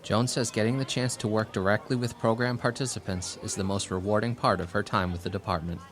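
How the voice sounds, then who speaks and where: A man's voice: on the low side, steady tone, brisk. A man reporting a local news segment in a formal scripted delivery, ending with a sign-off.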